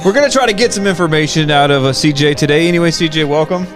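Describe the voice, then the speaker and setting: A man's voice: fairly high pitch, rapid-fire, loud music behind the voice. A man, co-hosting a podcast casually and rambling with lots of fillers and restarts. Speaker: podcast co-host.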